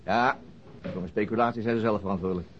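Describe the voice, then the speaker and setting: A man's voice: on the low side, steady tone, quick pace, dull audio, a little hiss or hum, close to an everyday voice. A man playing a sober, middle-aged police detective in a naturalistic radio drama, matter-of-fact and guarded.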